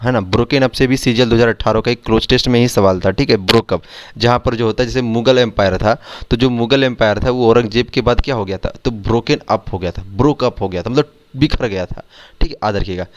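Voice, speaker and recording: Fast-talking Indian man teaching vocabulary. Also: medium pitch, no room sound. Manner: explains words with repeated quiz questions. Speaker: English teacher for exam prep. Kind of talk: Hindi vocabulary lesson over screen.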